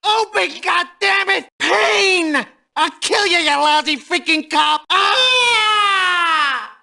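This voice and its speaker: An enraged, desperate gangster boss from a crime game. His strained voice is extremely high and creaky, heard from a distance. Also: expressive, takes it slowly, bright, forceful tone, shouting, full character voice. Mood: enraged panic. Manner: cursing, strained. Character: furious, desperate mob boss. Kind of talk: crime video game voice acting.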